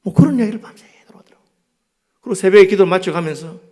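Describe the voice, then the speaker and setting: A man with a Gyeongsang accent preaching a revival sermon, telling stories animatedly and swinging between loud bursts and hushed asides. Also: high voice, rapid-fire. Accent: Gyeongsang Korean. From Gyeongsang, South Korea.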